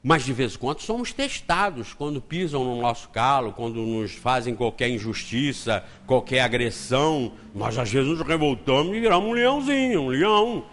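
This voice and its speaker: A man's voice: mid-range voice, expressive, normal speed, few pauses, fairly bright tone. A man with a Brazilian accent giving a spiritist lecture, conversational and joking, acting out little dialogues as he goes. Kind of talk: spiritist lecture with homely anecdotes.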